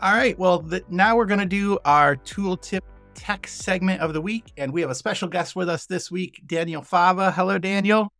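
Gravelly male podcast host. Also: high-pitched, a bit bright, faint music behind. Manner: halting, many fillers and restarts. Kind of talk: hosting a podcast panel.

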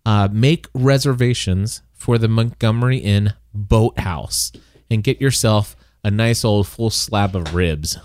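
A man's voice: fairly low pitch, a little slow, darkish tone, no room sound. Casual American man in his forties, dry recording. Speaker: podcast co-host. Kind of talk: casual chat.

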